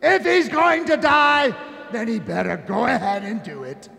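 A man's voice: very high-pitched, animated, measured pace, vocal fry, full character voice. A man playing a mocking, gleeful ghostly spirit with taunting, theatrical delivery in a live stage radio play. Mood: scornful. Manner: taunting, theatrical delivery with sudden loud swells. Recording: live stage recording in reverberant hall.

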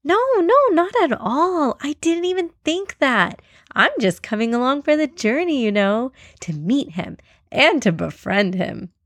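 A woman's voice: high voice, very animated, measured pace, dry recording, clean studio sound, voice pushed up, heavily acted. A woman voicing a shy, polite little female ant who chatters eagerly in a children's story. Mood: flustered.

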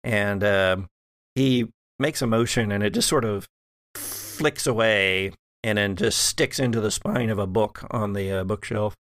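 A man's voice: lowish voice, unhurried, a bit bright. A man running a horror tabletop game, narrating the scene and calling for rolls as game master.

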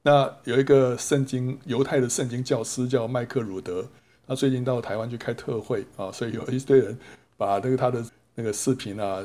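A man preaching a storytelling sermon in a voice of ordinary, middle pitch. He keeps stopping to ask his listeners a rhetorical question, then answers it himself. He draws out the small particles at the ends of his lines. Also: darkish tone. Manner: drawn-out sentence-final particles. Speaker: Bible teacher.

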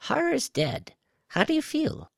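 A man's voice: very high-pitched, wildly swooping pitch, unhurried, creaky, dry recording, studio quality, voice pushed up, full character voice. A man voicing a reptilian alien spy in an audiobook story, with a lilting, nonchalant manner. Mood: calm, lilting. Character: high-pitched reptilian alien spy, casual, sly intelligence officer.

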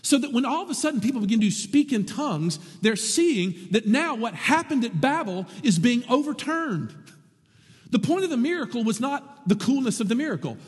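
A man preaching a sermon to his congregation, lively and animated, with wry asides. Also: very high-pitched, moderate pace, husky, in a large hall. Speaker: pastor.

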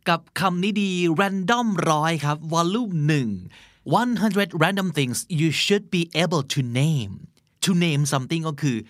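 A man hosting a vocabulary lesson podcast, asking quiz questions in a chatty way and repeating each English word slowly and clearly. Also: fairly high pitch, animated, fairly bright tone, no echo, studio quality. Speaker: host.

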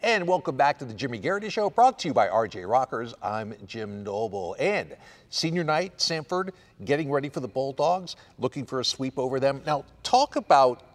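A man's voice: medium pitch, very animated, moderate pace. A man hosting a sports radio show, interviewing a coach and recapping recent games.

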